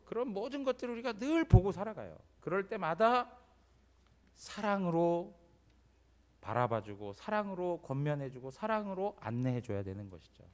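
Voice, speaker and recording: A male pastor preaching a Sunday sermon in a church. His voice sits a little high for a man. He talks to the congregation like a neighbour, tossing them quick questions as he goes. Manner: conversational preaching, frequent "예?" prompts to congregation. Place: church sanctuary.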